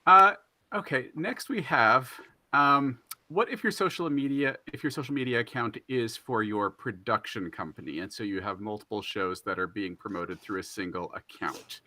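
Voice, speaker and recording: Very bright, forceful-toned male moderator. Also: medium pitch, normal speed, no room sound. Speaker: panel moderator. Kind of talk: reading audience questions, conversational.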